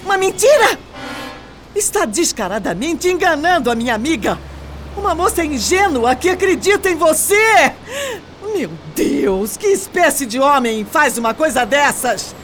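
A woman's voice: high-pitched, very animated, a little slow, a bit bright, a little hiss or hum, exaggerated voice. An actress in a radio drama playing a decent young female shop clerk who protests and pleads emphatically. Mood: indignant.

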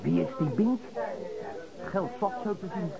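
A man's voice: high-pitched, animated, unhurried, creaky, crowd noise, full character voice. An actor playing a coarse, disapproving working-class man in a Dutch radio drama. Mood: grumbling. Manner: coarse, grumbling. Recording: noisy old radio play recording.

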